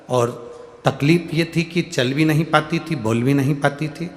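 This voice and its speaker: A man's voice: a little high, fairly bright tone. A man preaching as a Hindu scripture storyteller to a gathering, emphatic, repeating phrases and drawing out words. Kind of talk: devotional sermon to a gathering, reading out devotees' letters. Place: large public religious gathering. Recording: echoey large-venue PA with music.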